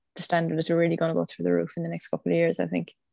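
A woman speaks with an Irish accent. The sound is dry with no echo, over a quiet background. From Ireland. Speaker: professional women's Australian football player. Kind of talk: sports interview. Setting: remote call from Australia. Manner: casual, hesitant with many fillers. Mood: relaxed, friendly. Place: home room. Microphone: video call.

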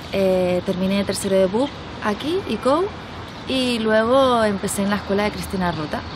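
A woman speaks at a moderate pace with ordinary pitch variation. The sound is dry with no echo, though background noise is noticeable. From Gran Canaria, Spain; Spain. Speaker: actress. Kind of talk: interview. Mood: warm, reminiscing. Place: garden.

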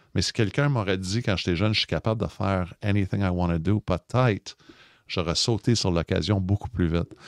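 An ordinary speaking voice from a man at fairly low pitch, fairly quick in pace with ordinary pitch variation, dry and close with no echo on a very clean recording with a silent background. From Montreal, Quebec (Verdun). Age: 40s. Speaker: city councillor. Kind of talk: casual interview chat.

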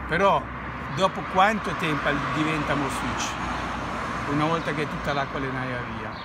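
Loud background noise fills the clip. A man talks at a moderate pace with long, frequent pauses. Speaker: gardener. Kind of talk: explanatory demonstration. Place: street. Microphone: phone near.

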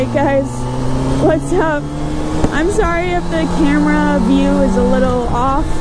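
Amid loud background noise, a woman speaks at a fairly slow pace. Long, frequent pauses break up her speech, and the sound is dry with no echo. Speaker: motovlogger. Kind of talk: casual talk to camera. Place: motorbike. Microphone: helmet.

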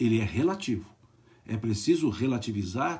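This man's voice is somewhat breathy. It has a dark, mellow tone. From Minas Gerais, Brazil (São Gotardo); Minas Gerais, Brazil. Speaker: spiritist study leader. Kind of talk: lecture. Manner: frequent filler 'né'. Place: home room. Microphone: webcam.

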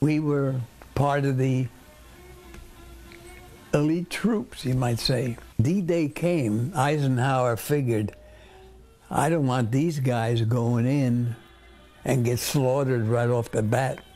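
A man's very slow delivery with long, frequent pauses, very even loudness and ordinary pitch variation over faint background music. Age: 80s+. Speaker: war veteran. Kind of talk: interview answer. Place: home room. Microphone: lapel.

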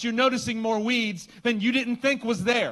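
Against a quiet background, a man projects a raised voice with a bright, sharp tone. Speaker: pastor. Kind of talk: sermon. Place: church. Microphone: handheld.

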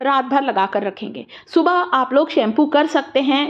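An animated woman's voice with ordinary pitch variation. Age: 50s. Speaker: home remedy video creator. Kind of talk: tutorial.

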